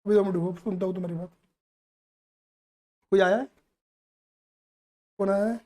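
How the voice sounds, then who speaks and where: A man's voice: high voice, steady tone, moderate pace, a little mellow. A man teaching accountancy to a live class, playful and teasing as he keeps quizzing the students.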